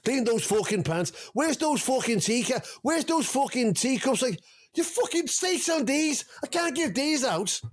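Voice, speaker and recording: A foul-mouthed Liverpool kitchen manager, put on by a man, barking orders at his staff in a strained, high-pitched voice. He bullies everyone in earshot. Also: sing-song, measured pace, heavily acted.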